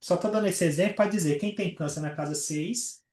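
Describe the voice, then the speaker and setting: A man's voice: high voice, brisk, a little mellow. A man leads an astrology study group on a video call. He talks casually and explains things with everyday examples. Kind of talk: casual teaching talk. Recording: roomy, distant from the mic.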